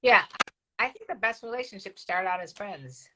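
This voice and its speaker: A woman's voice: medium pitch, expressive, normal speed, sharp tone, a little hiss or hum, low-quality recording. An older woman co-hosting a live stream, chatting frankly and bawdily and reading out viewer comments. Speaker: co-host of a live stream show. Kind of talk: casual chat.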